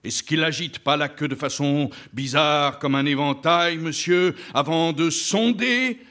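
A man reading aloud and voicing a calm harpooner who speaks in a steady, composed way. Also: fairly high pitch, unhurried. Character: calm male harpooner, measured.

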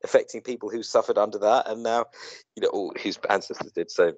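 A middle-aged man chatting casually on a video call in a rambling, halting way that often circles back on itself. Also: fairly low pitch, no room sound, muffled recording. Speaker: co-host in a two-person online chat. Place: indoor room, video call.

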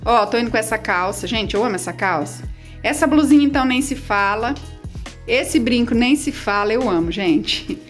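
A woman in her thirties from Brazil, filming a casual home vlog on a handheld phone and chatting warmly with her viewers, full of diminutives. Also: on the high side, animated, moderate pace, faint music behind. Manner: chatty and affectionate, many diminutives, baby talk to her pets. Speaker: vlogger. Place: small house, indoors and on the porch.

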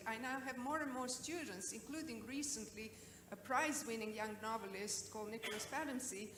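Woman prof asking a question at a conference, highish voice, echoey noisy room. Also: fairly bright tone. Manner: enthusiastic, articulate. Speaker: professor of Victorian literature asking a question. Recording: echoey room with background noise.

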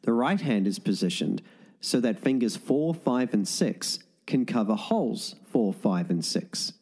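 A man narrating a tin whistle lesson as a voice-over, giving slow, methodical step-by-step fingering instructions. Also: mid-range voice, animated, darkish tone. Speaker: music teacher.

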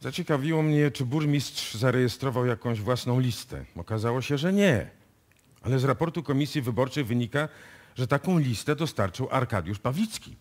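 Man acting a shrewd, animated police inspector. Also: mid-range voice, lightly acted. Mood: sly, assured. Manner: deliberate, explanatory, authoritative. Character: shrewd, self-assured male police inspector unravelling a case. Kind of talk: live radio play acting.

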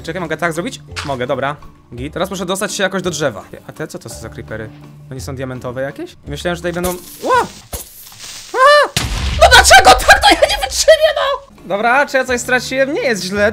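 A young man hosting a gaming channel, giving casual let's-play commentary and jumping into high yelps whenever he gets startled. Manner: excitable, jumps to high-pitched yelps when startled. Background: game music.

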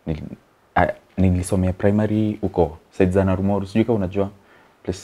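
A young Kenyan man with a very low, deep voice and a Kenyan accent. He is a comedian guest on an interview couch, and he tells his story in a loose, rambling way, chuckling and dropping in slang. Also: fairly even intonation, fast, dark tone. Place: TV-style studio set with sofas, indoors.

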